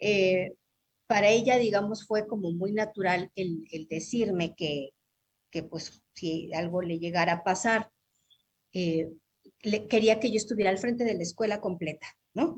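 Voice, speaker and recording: Fairly slow, somewhat breathy speech with long, frequent pauses and ordinary pitch variation. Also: woman, medium pitch for a woman. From Mexico. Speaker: voice actor and dubbing school co-director. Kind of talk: interview answer. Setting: near a busy avenue, remote recording.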